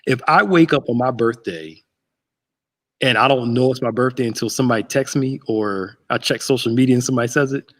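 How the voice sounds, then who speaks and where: A man in his thirties with a husky, slightly rough voice hosts a relaxed chat show. He jokes easily and keeps greeting viewers as they arrive, chatty and informal. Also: medium pitch, a little fast. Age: 30s. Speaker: host. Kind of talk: casual livestream chat.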